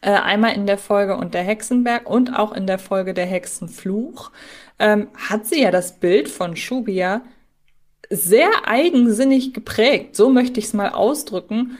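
Woman hosting a conversational podcast, medium pitch. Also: measured pace. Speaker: podcast host.

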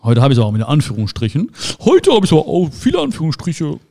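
A man's voice: a little high, wildly swooping pitch, quick pace, warm tone. A man giving a motivational talk in an emphatic way, repeating his key phrases. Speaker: motivational speaker.

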